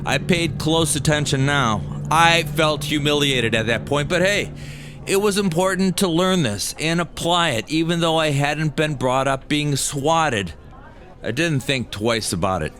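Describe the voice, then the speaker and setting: A man's voice: a little high, measured pace, fairly bright tone, slight background noise. An American man telling a personal story as scripted first-person narration. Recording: music behind the voice.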